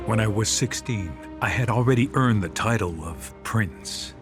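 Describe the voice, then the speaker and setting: A man voicing a proud adventurer, lowish voice. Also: normal speed, natural voice. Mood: proud reminiscing. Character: adventurous, proud young man recalling his outlaw youth. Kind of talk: dramatic first-person reading in a documentary. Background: music bed.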